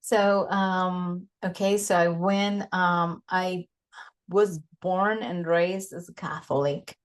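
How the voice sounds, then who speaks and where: A low-voiced woman from Bogota, Colombia, speaks slowly with fairly even intonation as a guest in a casual interview about her life. She's unhurried, pausing often and using plenty of fillers. She's on a video call with a desk microphone in a home office lined with bookshelves.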